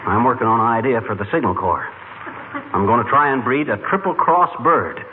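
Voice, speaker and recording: An actor playing a boastful, blustering middle-aged husband in a 1940s radio comedy, brash and full of schemes. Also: male voice, medium pitch, a little fast, phone-quality sound, natural voice. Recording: scratchy old radio broadcast, noisy.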